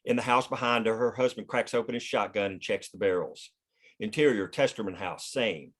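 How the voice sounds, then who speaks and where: A man's voice: on the low side, a little fast, a bit bright. A man reading scripted screenplay stage directions as the narrator of a table read.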